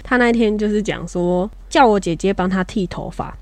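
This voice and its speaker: A woman's voice: mid-range voice, fairly quick, a little mellow, no room sound. A young woman with a Taiwanese Mandarin accent who co-hosts a podcast, telling family stories in a blunt, fiery way and laughing as she talks. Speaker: podcast co-host, younger sister. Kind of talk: casual storytelling chat.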